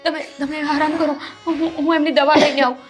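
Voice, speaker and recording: An actress voicing a caring, anxious sister-in-law who coaxes and pleads. Her voice is high. Soft music runs underneath. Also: flat delivery, brisk. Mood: coaxing. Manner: pleading, coaxing. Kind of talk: family drama acting.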